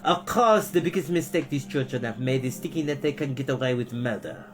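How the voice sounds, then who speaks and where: A man voicing a sinister, vain male villain in disguise, with a wheezing, scratchy voice and a slow, smug drawl. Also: medium pitch, music in the background, close to an everyday voice. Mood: menacing.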